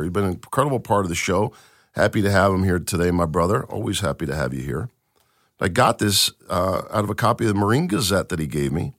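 A man's voice: mid-range voice, fairly bright tone, dry recording, clean studio sound. A man hosting a podcast, giving emphatic, enthusiastic commentary and reading from an article. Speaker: podcast host.

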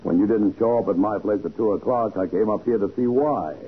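An actor playing a cool, menacing gambler, tough, sardonic and slangy, in a 1940s radio crime drama. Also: male voice, lowish voice, fairly quick, slightly rough, phone-quality sound. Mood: cool menace. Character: cool menacing male gangster gambler with a revolver. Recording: noisy old 1940s radio recording.

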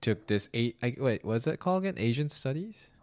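A man's voice: medium pitch, animated, fairly quick, a little mellow. A man hosting a casual chat, laid-back and joking.

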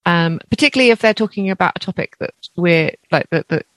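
A woman's voice: on the low side, lively intonation, fast talker, fairly bright tone, dry recording. A woman co-hosting a podcast in casual chat, reading out a listener email and laughing often. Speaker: podcast co-host.

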